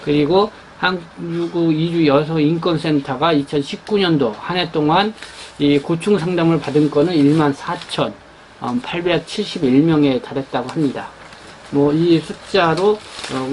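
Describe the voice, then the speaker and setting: A man presenting his newspaper's pages in an unscripted rundown, talking haltingly with many fillers and restarts. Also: on the high side, a little mellow, a little hiss or hum, rough recording. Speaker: newspaper editor presenting the issue.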